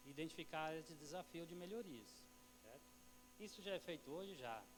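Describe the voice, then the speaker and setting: A man talks at a very fast pace. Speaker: university professor on a panel. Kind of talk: panel presentation. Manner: soft-spoken.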